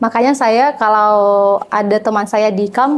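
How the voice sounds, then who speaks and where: A woman is speaking. Her pace is moderate. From Mentawai, West Sumatra, Indonesia. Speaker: university student. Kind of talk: interview, personal story. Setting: studio. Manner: halting, many fillers.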